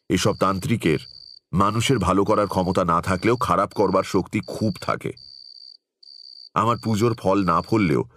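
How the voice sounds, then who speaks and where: Very deep, solemn tantric storyteller. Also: male voice, fairly bright tone, a little hiss or hum. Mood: earnest, concerned. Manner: measured, solemn, dramatic storytelling. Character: male tantric storyteller, grave, brooding, caring friend. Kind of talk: dramatized audio horror story narration. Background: background music.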